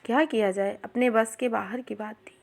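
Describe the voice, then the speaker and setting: A woman's voice: on the high side, fairly even intonation, normal speed, vocal fry. A woman voicing a proud, stubborn middle-aged village shoemaker who speaks firmly and plainly. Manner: firm, resentful, plainspoken.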